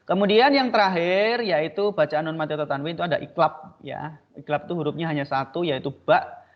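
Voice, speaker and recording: Male teacher, slightly high voice, patient drilling of sounds; muffled lo-fi recording. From Indonesia. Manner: patient, repeats and drills Arabic sounds slowly. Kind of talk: online tajwid lesson. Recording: dull lo-fi recording.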